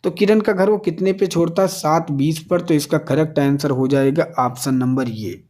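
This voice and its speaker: A man's voice: on the high side, moderate pace, mellow. A man teaching an exam lesson step by step, asking questions, answering them himself and repeating key figures.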